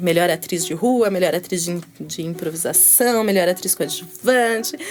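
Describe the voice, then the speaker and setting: A woman talks at a moderate pace and medium pitch with ordinary pitch variation. Noticeable background noise runs under her voice. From Itatiba, São Paulo interior, Brazil. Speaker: actress and storyteller. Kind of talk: interview podcast.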